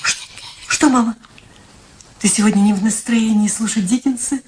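An older woman acting in a radio drama as a devoted, self-denying daughter, speaking with halting, theatrical emotion. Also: fairly high pitch, darkish tone, a little hiss or hum, lightly acted. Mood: gentle reading. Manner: halting, emotional, repeats words.

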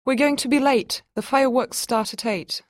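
A woman reading as a shrill, exasperated mother. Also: moderate pace, no echo, clean studio sound, lightly acted. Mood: irritated. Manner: shrill and frantic when arguing. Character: exasperated young mother, sharp-tongued.

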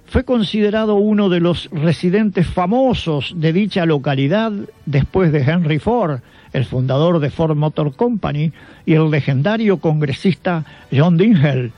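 Higher-pitched Argentine man narrating on radio. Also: no room sound. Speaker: radio show host. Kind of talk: scripted biographical radio narration. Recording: dull lo-fi sound with background music. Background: music.

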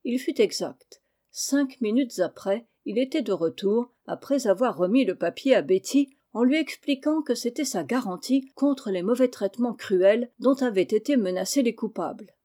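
A woman narrating a classic novel aloud in a measured storytelling manner. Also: a little high, lively intonation, dark tone. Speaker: audiobook narrator. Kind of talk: scripted literary narration.

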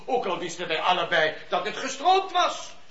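An actor playing a servile French cook in a radio play, hesitant and deferential, with a French accent. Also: male voice, high-pitched, very animated, moderate pace, fairly bright tone. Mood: protesting innocence. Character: French cook witness, servile, protesting his innocence. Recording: dull, roomy radio play recording.

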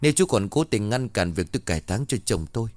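A man's voice: on the low side, sing-song, fast talker, a little mellow, no room sound. A man voicing a cold, defiant middle-aged widow in a ghost story, speaking firmly. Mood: curt. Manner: cold, firm, threatening.

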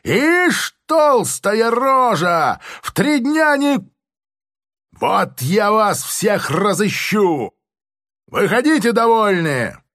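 A man voicing a shrieking, enraged prison major who barks short, drawn-out commands in a squealing voice. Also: huge pitch swings, husky, dry recording, studio quality, full character voice. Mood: shouting, hasty. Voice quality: shrill, squealing shouts.

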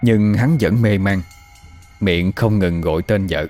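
A man narrating a horror story in a slow, measured storytelling voice. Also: deep voice, mellow, soft background music.

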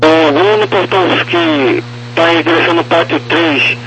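A man's voice: a little high, steady tone, normal speed, bright, forceful tone. A man working as an airport radio controller, heard over a two-way radio, giving clipped, procedural calls in terse radio phraseology. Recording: dull lo-fi radio with static.

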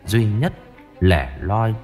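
A man narrating a ghost story in a lively way. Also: fairly low pitch, very slow, faint music behind.

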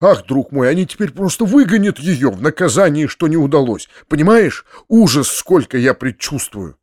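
A man playing a jittery landowner uncle, pitched up high, loud and pleading, dry close sound. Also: normal speed, dry recording. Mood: agitated. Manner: excited, pleading, high-strung. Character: anxious, kindly middle-aged male landowner uncle. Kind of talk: audiobook character reading.

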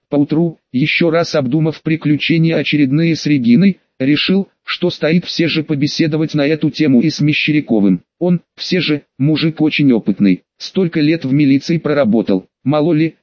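A man narrating an audiobook in the first person, reading in a steady, even way. His voice sits a bit high for a man. The sound is dry and close, with a slightly dull, muffled tone. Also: normal speed, hardly any pauses, no room sound.

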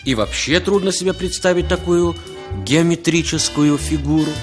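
A man narrating a radio play in a measured, theatrical way. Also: a little high, over music. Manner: measured, theatrical, lively delivery.

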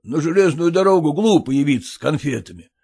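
A stern older father-in-law, bossy and sure of himself, lecturing at a deliberate pace, as a male storyteller plays him. His voice sits fairly high for a man and moves in lively swings as he instructs. He scolds and corrects, always in charge, in a storybook reading. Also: slightly rough.

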